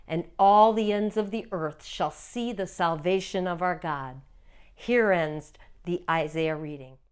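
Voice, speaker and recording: A woman reads scripture aloud as a lector at a church service. Her delivery is formal and measured, with declamatory phrasing at a middle pitch.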